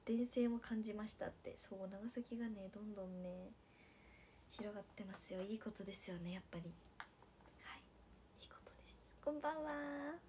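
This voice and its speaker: A young woman with a Nagasaki accent, chatting on a sleepy late-night livestream and reading viewer comments, slipping into soft whispers. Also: medium pitch, little pitch movement, brisk, a little hiss or hum. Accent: Nagasaki dialect. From Nagasaki, Japan. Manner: drowsy, drifting into soft whispers, then bright squeals for viewers. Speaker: idol livestreamer.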